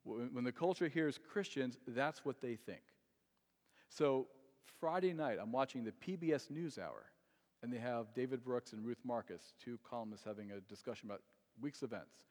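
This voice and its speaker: A man preaching a sermon as pastor, earnest and rising to loud, emphatic stretches. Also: medium pitch, normal speed. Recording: long reverb in a large hall.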